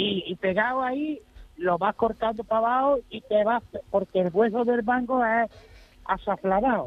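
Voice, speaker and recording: Speaking at a fairly slow pace, a man with a high pitch uses ordinary pitch variation. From Andalusia. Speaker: mango farmer. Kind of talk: casual chat.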